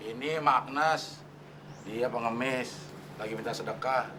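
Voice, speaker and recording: A man's voice: medium pitch, a little slow, over music, lightly acted. An actor playing a teasing, wisecracking man with a Jakarta accent, bantering casually in a sitcom. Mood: joking. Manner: teasing, wry.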